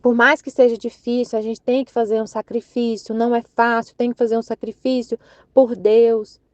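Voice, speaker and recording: Brazilian woman, higher-pitched, telling a personal faith story in a halting, rambling way; dull, dry lo-fi capture. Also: little pitch movement, a little mellow, no echo. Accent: Brazilian Portuguese. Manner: rambling and halting, many fillers and restarts. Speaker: faith study group participant. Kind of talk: casual spoken testimony. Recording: dull lo-fi audio.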